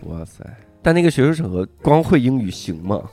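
A man's voice: medium pitch, very animated, brisk, dark tone, faint music behind. A man hosting a podcast, answering a guest with short reactions and quips in casual chat. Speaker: podcast host.

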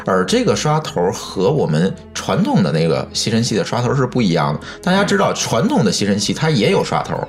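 Male, Beijing accent, conversational explainer, animated intonation, music underneath. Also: lowish voice, a little fast, few pauses. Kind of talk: casual chat, explaining at length. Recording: music bed behind the talk.

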